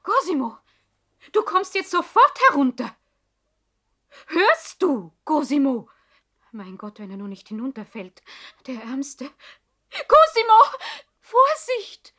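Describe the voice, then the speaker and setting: A fretful noble mother in a vintage radio drama. Her voice is high and piercing, swooping dramatically as she calls out slowly in worry. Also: wildly swooping pitch, pushed and bright, full character voice. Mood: anxious alarm. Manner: calling out, dramatic, worried. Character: anxious, fretful aristocratic mother, adult baroness. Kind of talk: 1960s German radio play acting.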